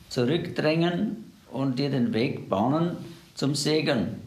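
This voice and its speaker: A man's voice: mid-range voice, vocal fry, roomy sound. A man preaching a sermon, earnestly addressing the listener directly.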